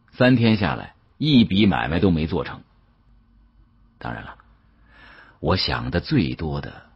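Male audiobook narrator, raspy and animated, colloquial dramatic storytelling, muffled dry sound. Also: deep voice, no echo. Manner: colloquial, expressive. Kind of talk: dramatic first-person storytelling.

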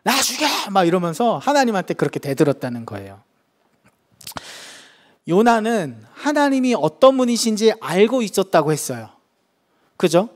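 A male pastor delivers a sermon with a high, bright-sounding voice that swings widely up and down. He tells the story with energy and slips into playful acted-out voices for the people in it. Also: moderate pace, long pauses. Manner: lively storytelling, acts out quoted voices.

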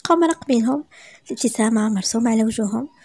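Fast-talking Moroccan woman storyteller. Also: fairly high pitch, darkish tone, slightly rough. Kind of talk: story narration.

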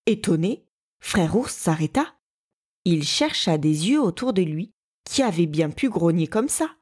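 A woman storyteller reading a children's story aloud with an expressive, lively delivery. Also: lowish voice, unhurried, husky. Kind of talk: storybook read-aloud narration.

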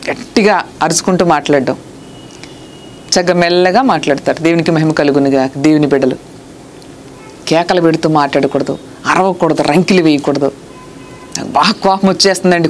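A woman with a Telugu accent preaching a sermon, earnest and scolding, reading scripture slowly. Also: sits low, slight background noise.

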